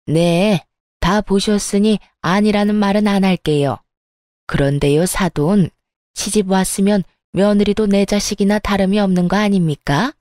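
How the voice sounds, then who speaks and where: A woman puts on a spiteful middle-aged mother-in-law from a dramatized story, dropping her voice lower and dragging out her scolding lines. The tone is mellow and dark rather than bright, heard dry and close with no room around it. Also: fairly even intonation, normal speed, no room sound, close to an everyday voice. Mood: sneering. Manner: sneering, berating.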